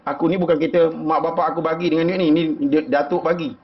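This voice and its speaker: High-voiced Malaysian preacher, lo-fi. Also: male voice, fast. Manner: animated, voice rising with feeling. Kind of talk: emotional sermon storytelling. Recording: dull lo-fi sound.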